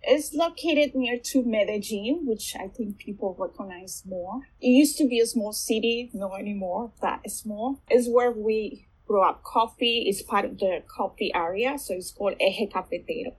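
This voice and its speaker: A woman in her forties from Colombia, speaking English with a Colombian Spanish accent, enthusiastic and warm, often restarting her sentences as an interview guest. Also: medium pitch, normal speed, few pauses, breathy edge, low-quality recording. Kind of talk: conversational interview.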